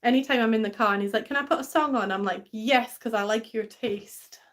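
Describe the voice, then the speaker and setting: Woman, young adult, mixed English-Scottish accent, slightly high voice, rambling live stream chat. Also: fairly quick. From England. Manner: chatty, rambling, many fillers and restarts. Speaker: livestream host. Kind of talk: casual live stream chat reading comments.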